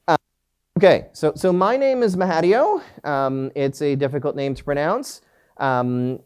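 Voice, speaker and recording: A man's voice: on the high side, a little mellow, smooth. Chatty, joking man presenting at a conference. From Canada. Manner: self-deprecating joking, many fillers and restarts. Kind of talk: live conference talk.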